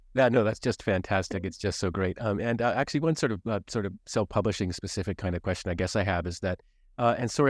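Very fast and fairly low, a man's voice comes across dry and close with no echo. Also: quiet background. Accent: Canadian. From central Canada. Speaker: podcast interviewer, publishing co-founder. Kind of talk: interview. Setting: remote call.

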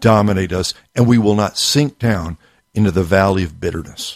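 A man's fairly low voice, a plain, everyday voice, at a moderate pace, with a dry, close sound and no echo. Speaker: pastor and author. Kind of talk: live radio interview.

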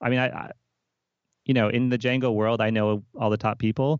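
A man's ordinary speaking voice at a medium pitch, with an American accent, fairly even intonation and a fairly quick pace over a quiet background. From Vermont, US. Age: 30s. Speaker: author and programming teacher. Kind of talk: interview.

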